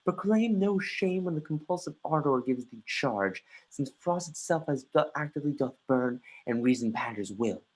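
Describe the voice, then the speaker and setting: A husky, mid-pitched voice plays an anguished young prince in an actor's stage reading. The delivery is declamatory Shakespearean verse, accusing and scornful. It moves between muttering and outbursts, with the odd stumble over a line. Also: animated, normal speed, hardly any pauses, a little mellow, low-quality recording. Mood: bitter, reproachful. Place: remote livestream from home.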